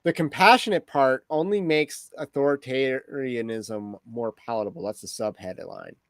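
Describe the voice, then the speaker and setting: A man hosting a casual livestream, talking through topics with wry, rambling asides. His voice sits at an ordinary middle pitch. The sound is dry and close, with no room around it. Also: normal speed, dry recording. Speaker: livestream host.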